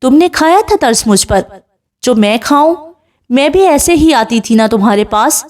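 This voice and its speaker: A bitter young woman lying sick in a hospital bed, as a woman reads her part, tearful and accusing, with her voice raised. Her voice sits fairly high. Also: expressive, a little mellow.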